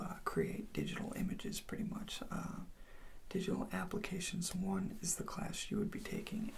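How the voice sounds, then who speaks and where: A person whispering an ASMR role play as a college advisor, explaining things in an unhurried, reassuring way. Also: mid-range voice, gravelly, darkish tone.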